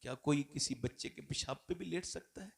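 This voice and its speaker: A man delivering an emotional religious sermon, telling stories dramatically and swinging between loud exclamations and hushed passages. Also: a little high, a little fast, gravelly, slightly rough, long reverb tail. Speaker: preacher.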